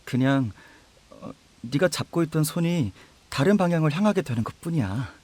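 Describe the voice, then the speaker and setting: A male actor playing a gentle, earnest young man in an audio drama. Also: a little high, lively intonation, moderate pace. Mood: earnest, consoling.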